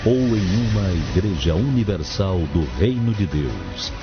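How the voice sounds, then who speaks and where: A man announcing in a slow, deliberate promotional voice-over, muffled, with music behind. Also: on the low side, sing-song.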